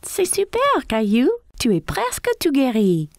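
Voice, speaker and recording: A woman voicing a caring, patient young mother in a children's cartoon, speaking in a gentle, reassuring and expressive way. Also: a little high, measured pace, full character voice. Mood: cheerful.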